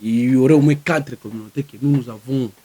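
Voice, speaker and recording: Male spokesperson, Congolese French accent. Mid-pitched, soft-edged voice, formal press statement style with deliberate, wordy phrasing. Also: no room sound. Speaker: spokesperson for a community organisation.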